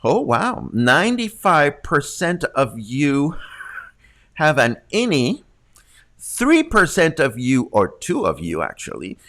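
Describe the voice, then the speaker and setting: A man's voice: on the high side, huge pitch swings, slow pace, fairly bright tone. A man in his fifties hosting a casual local news livestream from home, congested from allergies, chatting through viewer comments. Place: home room with studio mic. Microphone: large studio condenser mic.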